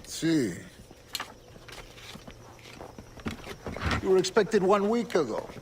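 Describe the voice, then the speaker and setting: An actor playing a scheming older Templar governor, measured and solemn, often dropping to a hush. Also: male voice, sits high, very animated, noisy background. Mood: stern. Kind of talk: video game cutscene acting. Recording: game audio over music.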